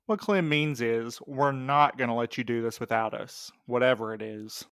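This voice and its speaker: A man playing a gentle, level-headed young courier with a measured, questioning manner in an audio drama. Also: medium pitch, clear, resonant tone, no room sound, studio quality, lightly acted. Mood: thoughtful. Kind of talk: naturalistic audio drama acting.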